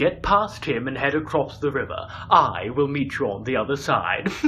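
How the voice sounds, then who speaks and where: A man's put-on character voice, fairly high in pitch, with clear background noise. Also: moderate pace. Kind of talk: comic audio drama.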